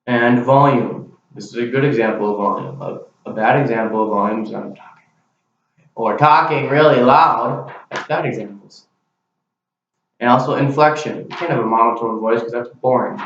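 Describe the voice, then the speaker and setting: A man's voice: mid-range voice, moderate pace, a bit bright, a little hiss or hum. Young man in a very echoey room. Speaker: student. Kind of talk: class speech to camera. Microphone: camera mic. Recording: very echoey, distant, dull camera recording.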